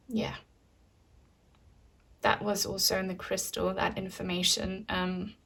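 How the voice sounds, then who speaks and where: A woman whose first language is German, giving a casual pick-a-card tarot reading to her viewers with lots of fillers and asides. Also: medium pitch. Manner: chatty, many fillers, addresses viewers as guys. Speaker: tarot reader.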